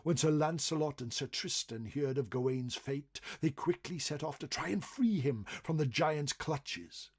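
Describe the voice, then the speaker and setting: A man narrating folklore as a storyteller, expressive and dramatic, swelling on phrases and dropping to hushed endings. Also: a little high, a little slow, few pauses, slightly rough. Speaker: storyteller reading a folklore article.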